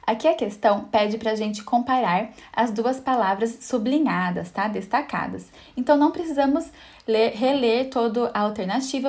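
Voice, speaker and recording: A woman with a Brazilian Portuguese accent teaching an exam-prep video lesson. Her voice sits a little high, and she walks through each point patiently, checking in with the viewer as she goes. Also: darkish tone. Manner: friendly, explanatory, checks in with "tá?" and "né?".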